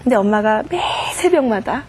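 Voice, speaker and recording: A woman's voice: medium pitch, animated, normal speed, darkish tone, slight background noise. A middle-aged woman giving a heartfelt testimony as a guest on a Christian talk show, telling her story earnestly. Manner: earnest storytelling, acts out quoted prayers and dialogue.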